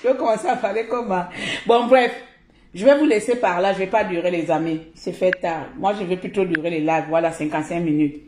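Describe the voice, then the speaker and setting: A woman's voice: on the low side, brisk, darkish tone, roomy sound, a little hiss or hum. A woman from Cameroon with a Cameroonian French accent, giving blunt, mocking live commentary as a streamer.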